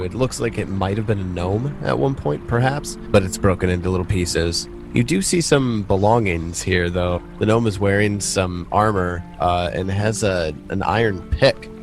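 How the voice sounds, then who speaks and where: A man's voice: on the low side, moderate pace, hardly any pauses, over music. A man narrating a tabletop game as game master, conversational and feeling his way through improvised descriptions.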